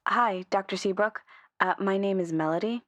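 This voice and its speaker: A woman's voice: medium pitch, normal speed, no echo, natural voice. A woman playing an insecure, self-doubting caller on a radio drama phone-in, hesitant and downcast in manner. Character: insecure, self-doubting female scuba instructor calling radio. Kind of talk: scripted audio drama phone-in.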